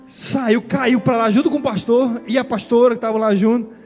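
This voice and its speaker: Shouting loudly at an extremely high pitch over music in the background, a man speaks fairly slowly with ordinary pitch variation. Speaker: pastor. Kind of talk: sermon. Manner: loud, shouting; animated.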